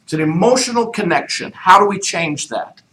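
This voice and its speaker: A man's voice: sits high, lively intonation, moderate pace, bright, forceful tone, slight background noise. A man leading a real estate training session, coaching the group with repeated questions. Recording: echoey room, mic far off.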